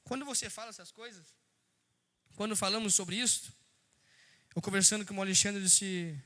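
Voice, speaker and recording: A man preaching a fervent sermon in a church, swinging from shouted peaks to low asides and crying out hallelujah. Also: moderate pace. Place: church service. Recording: long reverb of a church hall.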